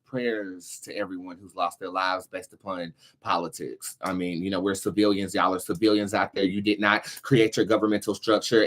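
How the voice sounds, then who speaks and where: A man hosting a show, giving casual commentary in a halting way with emphatic stresses on key words. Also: low voice. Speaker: host of a tarot and commentary show.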